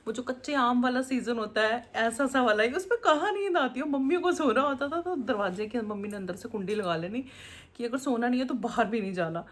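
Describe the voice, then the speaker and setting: A woman's voice: fairly high pitch, fairly quick, fairly bright tone. A woman, chatting casually and rambling as she cooks in her home kitchen, laughing often. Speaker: vlogger, mother. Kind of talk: casual home vlog chat.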